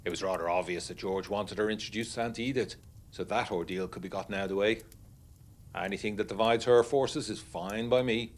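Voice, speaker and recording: A man's voice: fairly low pitch, a little fast, lightly acted. An actor playing a genteel, uneasy young war veteran narrating his letters in a literary, wryly confiding way for a gothic period audiodrama.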